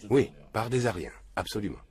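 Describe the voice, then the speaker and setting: An older man with a very low voice speaks with calm certainty, never thrown by a question. A murmur of voices runs under him. He sounds seated and close, in a small indoor room. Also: brisk, crowd noise. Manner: matter-of-fact, earnest, unshaken by questions. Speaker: interviewee. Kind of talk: documentary interview. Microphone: film crew mic off camera.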